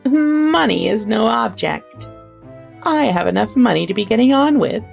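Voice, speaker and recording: A woman's voice: a little high, animated, a little slow, gravelly, faint music behind, voice pushed up, full character voice. A woman voicing an elderly, courteous English noblewoman in a genteel, effusive old-lady voice as she reads a story. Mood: wistful, warm. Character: elderly English noblewoman, fond, courteous, passionate about opera.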